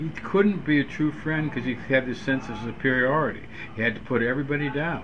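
A man's fairly high voice at a very fast pace, with ordinary pitch variation and noticeable background noise. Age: 80s+. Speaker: author and biographer. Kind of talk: radio interview. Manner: halting.

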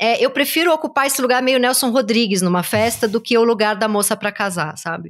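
A fairly quick delivery with a São Paulo accent, ordinary pitch variation and hardly any pauses, on a very clean recording with a silent background. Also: woman, fairly high pitch for a woman. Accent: Brazilian Portuguese, São Paulo. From Brazil, São Paulo (Zona Leste). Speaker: writer and columnist. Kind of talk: casual interview chat.

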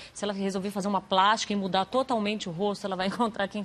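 Talking at a very fast pace, a woman speaks at a medium pitch. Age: 20s. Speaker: health journalist. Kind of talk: studio talk show discussion. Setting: studio with audience.

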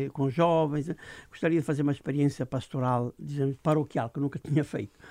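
A man's fairly high voice, with fairly even intonation, comes through in a very clean recording with a silent background and a dry, close sound with no echo. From Portugal, Aveiro; emigrated to southern Brazil at 15. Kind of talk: radio interview.

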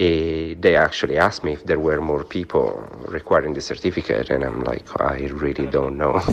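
A man with an Italian accent talks at a fairly quick pace with hardly any pauses, over noticeable background noise. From Italy. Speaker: restaurateur. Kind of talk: interview. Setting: phone call.

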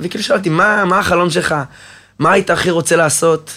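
A man talks at a fairly quick pace, his high-pitched voice bright and sharp in tone. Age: 30s. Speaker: marketing director. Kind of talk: interview. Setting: studio.

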